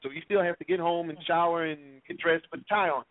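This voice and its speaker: A man's voice: a little high, steady tone, brisk, dry recording, phone-quality sound. Man explaining at length on talk radio. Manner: explains at length with worked examples. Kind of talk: casual talk radio chat.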